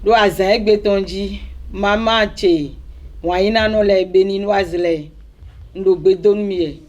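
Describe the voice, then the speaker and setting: A woman's voice: medium pitch, steady tone, takes it slowly, a little mellow, highs cut off. A woman minister blessing mothers in church in a solemn way.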